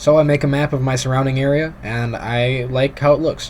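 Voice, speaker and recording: A medium-pitched man's voice with fairly even intonation over noticeable background noise. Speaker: gaming YouTuber. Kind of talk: let's play voiceover narration.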